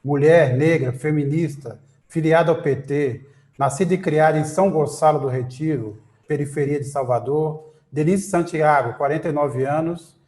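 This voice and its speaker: A man's voice: a little high, darkish tone. A man hosting a political interview, reading a scripted introduction and then asking long questions with many fillers. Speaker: interview host. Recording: echoey room.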